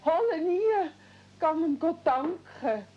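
A woman playing an excitable, kindly old grandmother in a radio play, exclaiming in drawn-out phrases with a Swiss German accent. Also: very high-pitched, heavily acted. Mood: excited, urgent. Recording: dull, noisy 1970s radio-play recording.

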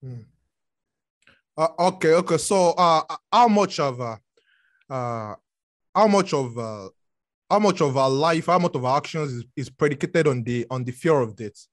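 A man with a Nigerian accent hosting a podcast interview, speaking haltingly with many restarts and fillers. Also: fairly high pitch, lively intonation. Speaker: podcast host.

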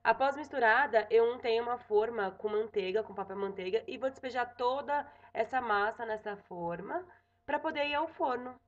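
A woman's voice: a little high, moderate pace, dull audio. A young Brazilian woman in her home kitchen giving a casual cooking tutorial, chatting along and checking in with her viewers. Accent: Brazilian Portuguese. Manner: chatty, frequent "tá?" check-ins and self-corrections. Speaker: cooking vlogger.

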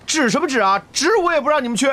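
A man's voice: very high-pitched, lively intonation, rapid-fire, pushed and bright, full character voice. A young actor playing a spoiled, stubborn young nobleman in a period TV drama. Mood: petulant. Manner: petulant, defiant.

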